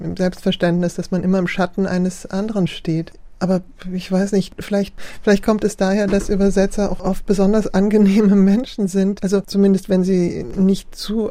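A woman's voice: medium pitch, no room sound. A middle-aged woman, an author and translator from Germany, giving thoughtful, hesitant interview answers. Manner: reflective, hesitant, with restarts and soft laughs.

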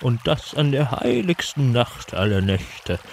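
A man's voice: mid-range voice, animated, gravelly, slight background noise. A man voicing a wise old female toad who speaks in a solemn tone in a comic audio play. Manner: slow and solemn.

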